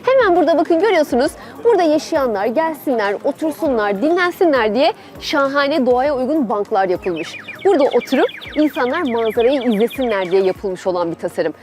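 A woman's voice: high-pitched, very animated, fairly quick, few pauses, darkish tone. A woman hosting a travel show, guiding viewers through an outdoor park in an enthusiastic, chatty way. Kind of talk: travel show presenting, part narration.

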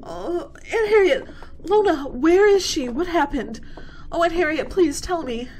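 A woman's voice: very high-pitched, expressive, unhurried, a little mellow, slight background noise. A woman playing a frightened, pleading college girl in a radio horror drama, stammering and tearful. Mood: desperate pleading. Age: young adult.

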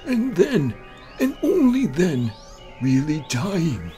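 A man voicing a morbid, scheming old gentleman in a dramatic, drawn-out horror story reading. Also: on the high side, wildly swooping pitch, heavily acted. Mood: morbid raving. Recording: voice over background music.

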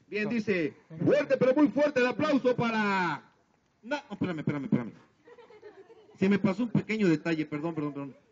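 Silly high-pitched clown man. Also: a little mellow. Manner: silly, playful clown showmanship with drawn-out calls for applause. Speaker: party clown host. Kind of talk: live children's party entertainment, running a contest on microphone. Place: outdoor garden party. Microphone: handheld microphone over PA, filmed by distant camera. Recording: dull lo-fi camera audio of amplified voice.

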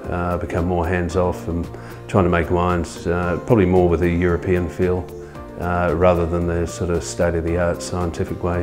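A middle-aged man talking in a filmed interview as a winemaker, halting with many fillers, recorded in a tasting room. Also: low-pitched. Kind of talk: documentary interview. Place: indoor winery tasting room. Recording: music bed underneath.

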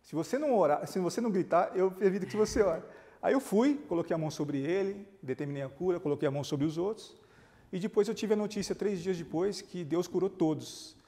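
Man, pastor, fast talking, animated testimony, reverberant studio. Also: high voice. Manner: animated storytelling, acts out quoted dialogue. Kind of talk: testimony in a TV interview.

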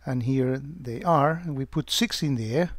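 Man narrating a screen demo, halting. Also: medium pitch, dry recording. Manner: hesitant, many fillers and restarts. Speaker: security software presenter. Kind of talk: screen-recorded software demo.

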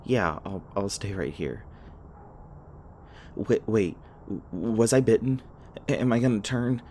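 A man's voice: fairly low pitch, measured pace, dark tone, slight background noise, lightly acted. Jittery, stammering young man, acted out. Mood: shy, grateful. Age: young adult. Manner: nervous, stammering, rambling. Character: jittery, rambling young human man rescued by a vampire. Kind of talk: audio roleplay acting, addressed to the listener.

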